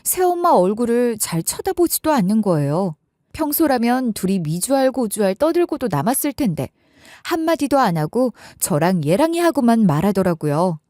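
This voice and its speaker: A woman's voice: fairly high pitch, very animated, normal speed, mellow, no room sound, studio quality. A young woman telling a first-person story in a chatty, conversational way.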